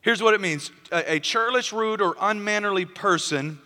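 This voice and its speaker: A man's voice: high voice, moderate pace, sharp tone, big-room sound. A male pastor preaching a sermon, telling Bible stories emphatically with frequent repeated words.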